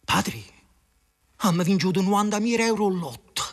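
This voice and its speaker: An actor with a Neapolitan accent playing Vittorio, an excitable working-class man who has won the lottery, in a live stage scene performed in a radio studio, talking in raspy, animated bursts full of repeated exclamations. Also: high-pitched, normal speed. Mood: excited.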